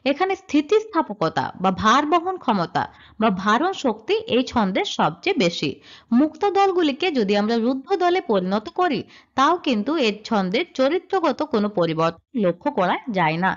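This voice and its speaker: A woman's voice: on the high side, big pitch swings, normal speed. A woman teaching a slide-based grammar lesson. She explains step by step and asks questions that she then answers herself. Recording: dull lo-fi sound.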